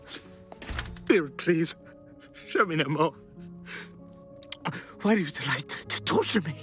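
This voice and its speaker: A man playing a frightened, remorseful old miser in an audio drama, with halting, theatrical, pleading delivery. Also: fairly high pitch, lively intonation, a bit bright, soft background music. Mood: anguished, pleading.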